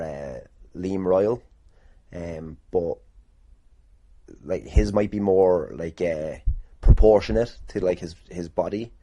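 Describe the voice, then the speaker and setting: A man with a deep, warm voice, a wrestler who hosts his own casual solo podcast, answers listener questions jokingly. He rambles, swears, and boasts in a playful way, recorded dry.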